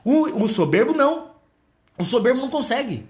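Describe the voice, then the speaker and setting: A man preaching a devotional teaching, telling a story and addressing viewers directly in an animated way. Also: very high voice, moderate pace.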